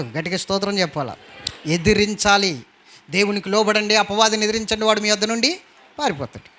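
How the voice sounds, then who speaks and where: A male pastor delivers an emphatic sermon. His voice sits very high and rings bright and sharp. He keeps pressing the congregation with questions.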